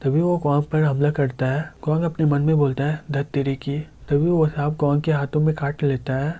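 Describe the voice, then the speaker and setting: A man narrating a comic recap in a monotone storytelling manner. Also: fairly high pitch, a little fast. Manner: monotone storytelling with tag lines.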